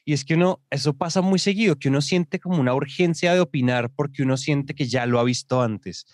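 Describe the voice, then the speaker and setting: A man co-hosting a casual podcast, answering with easy agreement and then musing on the point. His voice sits at an ordinary pitch for a man. The sound is dry and close, with no room echo. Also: brisk. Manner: agreeable, reacts with short affirmations. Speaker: podcast co-host. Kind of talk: casual chat.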